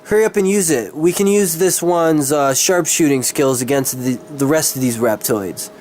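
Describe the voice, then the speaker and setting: A man voicing a smug black-robed necromancer from a fantasy story, in a theatrical, drawn-out way. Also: on the high side, a little mellow, slight background noise, lightly acted, rough recording. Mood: brisk, scheming.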